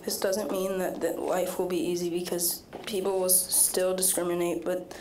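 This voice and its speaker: A ninth-grade girl reads a prepared speech with a steady delivery. Her voice is low and flat, and faint ambient noise sits behind it. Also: normal speed, rough recording. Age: teens. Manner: steady, somewhat monotone reading. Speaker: student speaker.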